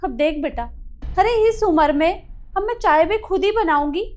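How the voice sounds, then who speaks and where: A woman's voice: extremely high pitch, moderate pace, darkish tone. An actress playing a scheming, domineering mother-in-law who scolds and complains in a family drama. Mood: self-pitying. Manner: scolding, self-pitying. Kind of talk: Hindi family drama acting.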